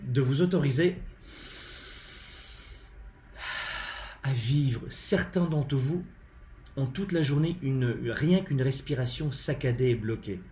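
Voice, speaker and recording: A man with a French accent gives an emphatic, animated live-streamed talk on leadership from his home, his voice in the middle range. He stops often on hesitant fillers. The room sounds roomy, with faint ambience behind him. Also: medium pitch, slight background noise. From France. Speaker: leadership coach and live show host.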